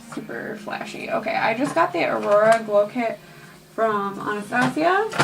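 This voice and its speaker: A woman's pitch swings very widely as she talks at a moderate pace, with noticeable background noise around her. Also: fairly high pitch for a woman. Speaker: beauty vlogger. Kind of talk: makeup tutorial.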